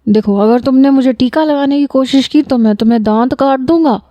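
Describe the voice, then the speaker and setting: Woman voicing a bandaged young man who acts like a sulky child: whiny, pouting, a bit higher than her own voice, storybook reading. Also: dark tone, dry recording, close to an everyday voice. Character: injured amnesiac young man acting like a scared sulky child.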